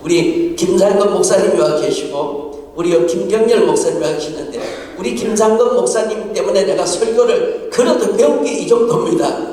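A man's voice: high voice, darkish tone. A man preaching a sermon as a pastor, telling a story with laughter and acting out a conversation. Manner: storytelling with laughter and quoted exchanges. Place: church sanctuary. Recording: distant mic in a large echoing church hall.

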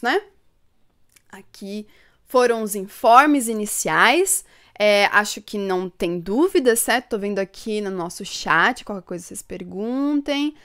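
A young woman from São Paulo state, Brazil, hosts a book channel live stream from a home room lined with bookshelves, chatting with viewers through a desk microphone in front of her. Her smooth, clear voice sits at mid pitch with a fairly bright tone. She's chatty and upbeat, laughs often, and reads viewer comments aloud.

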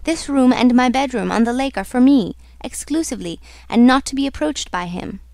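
A woman's voice: high-pitched, lively intonation, brisk, gravelly, darkish tone, no echo. A woman voicing a fearful, earnest young female opera singer in a dramatic, pleading manner for a storybook.

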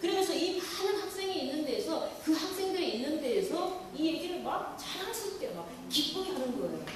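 A Catholic nun lecturing to an audience, telling a story in an animated way and acting out quoted lines. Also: female voice, high voice, brisk, a little hiss or hum. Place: lecture hall. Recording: echoey hall from far off.

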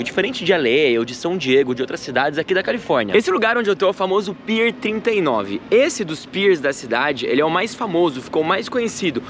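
A man's voice: fairly high pitch, a little hiss or hum. A man in his thirties chatting casually as a travel vlogger, filming himself at arm's length while showing a hotel room and then walking along the waterfront. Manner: chatty and animated, pointing things out as he walks. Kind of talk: casual travel vlog to camera. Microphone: camera held at arm's length.

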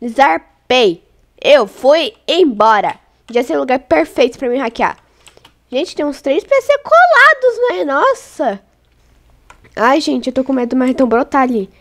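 This is a high-pitched woman giving casual gameplay commentary. She sounds congested from a cold. She chats to her viewers and squeals easily at scares. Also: measured pace. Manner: excitable, squeals and laughs when startled, talks to viewers. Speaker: gaming channel host.

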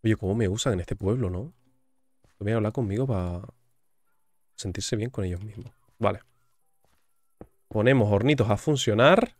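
With long pauses between lines, a lowish, darkish-toned man chats and jokes at a normal speed as he plays a video game and reads its text out loud. He's a gaming YouTuber with a Spain Spanish accent, and the audio has no echo.

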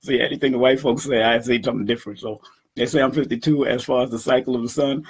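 A man in his fifties talking to his webcam from a room at home, animated and boastful, laughing often as he addresses his community. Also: medium pitch, fast talker, slightly rough. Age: 50s. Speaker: event organizer and numerology teacher. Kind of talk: casual talk to camera. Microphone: webcam at desk.

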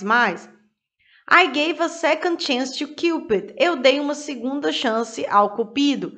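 A woman's voice: on the high side, bright, forceful tone. A woman teaching English through song lyrics. She explains the lines word by word and repeats each phrase with its translation. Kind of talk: song-lyric language lesson.

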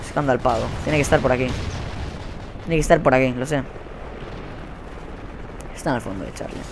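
A young man with a Spanish accent commentating his own shooter gameplay, swearing a lot and quick to burst into angry shouts. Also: mid-range voice, creaky, noisy background. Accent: Spanish from Spain. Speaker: gaming commentator. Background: faint gunfire from the game.

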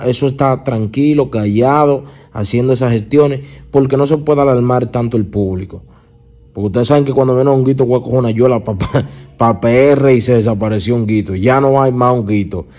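A Dominican man presents urban music gossip for his online channel. His voice is mid-range and relaxed, with a dark, mellow tone. He talks in loose street slang, often halting and repeating words as he goes. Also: mid-range voice. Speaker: YouTube channel host. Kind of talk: casual urban music gossip news commentary.

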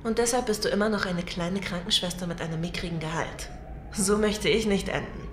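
A woman's voice: mid-range voice, a little fast, natural voice. An actress playing a brazen, ambitious, scheming woman in a German audio drama, cynical and unashamed. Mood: cynical, defiant. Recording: echoey room, clear background noise.

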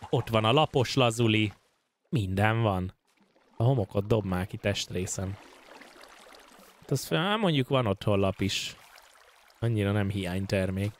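Excitable Hungarian man streaming a game. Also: on the low side, slight background noise. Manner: excitable, yelps and swears at in-game scares. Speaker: gaming streamer. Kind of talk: casual let's-play commentary.

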